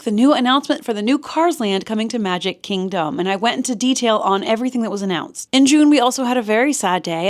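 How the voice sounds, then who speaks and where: A woman from Miami, a theme park vlogger, chatting enthusiastically through a casual year-in-review in her home office. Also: mid-range voice. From Miami, United States. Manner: chatty and enthusiastic, with gushing asides. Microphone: sit-down home office recording.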